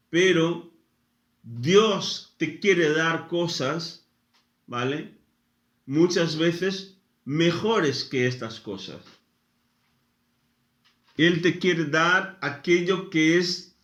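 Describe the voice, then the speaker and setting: A man preaching a sermon, speaking in short phrases with frequent pauses. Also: on the high side, a bit bright, echoey room, highs cut off. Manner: slow, deliberate, pausing after short phrases. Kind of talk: sermon teaching.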